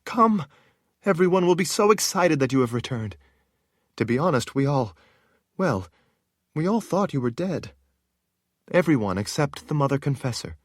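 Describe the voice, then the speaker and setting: A man's voice: fairly high pitch, big pitch swings, moderate pace, pauses often, dry recording, studio quality, voice pushed up. A man voicing an eager, chatty palace woman who gushes as she talks. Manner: bubbly, gushing.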